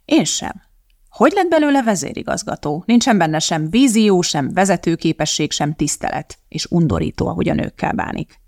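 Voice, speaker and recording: A blunt, determined woman, as an audiobook reader voices her, speaking in a firm, matter-of-fact way. Her voice carries a gravelly edge. The sound is close and dry with no room to it. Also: medium pitch, sing-song, darkish tone, dry recording. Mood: indignant. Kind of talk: audiobook character voice.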